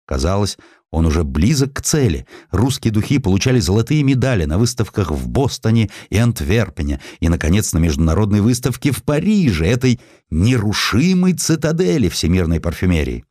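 A man narrating a historical sketch as an audiobook, telling it expressively and slowing down for quoted lines. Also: no room sound, studio quality. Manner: expressive storytelling, voices quotes with shifts of pitch and slowing down.

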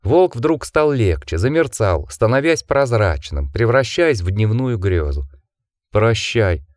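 A man reading an audiobook in measured, even scripted narration. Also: mid-range voice, no echo, studio quality.

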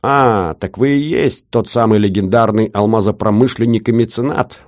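A man's voice: lowish voice, steady tone, moderate pace, no room sound, studio quality, lightly acted. A man voicing a shrewd older jeweler with an Odessa accent, talking in a wheedling, sing-song bargaining patter. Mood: scheming. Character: shrewd older male jeweler, haggling, fussy.

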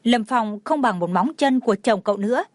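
A woman's voice: fairly high pitch, lively intonation, brisk, no room sound, close to an everyday voice. A woman voicing an indignant young female college friend who talks in an urgent, pushy way. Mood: eager.

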